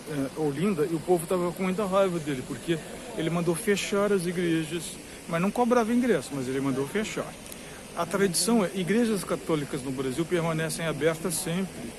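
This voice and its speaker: A man's voice: fairly high pitch, low-quality recording. Brazilian man explaining things amid crowd noise. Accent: Brazilian Portuguese. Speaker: vlogger. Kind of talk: rambling informal commentary to camera. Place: among a crowd in a queue outside a cathedral. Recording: busy crowd noise with hiss. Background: crowd chatter.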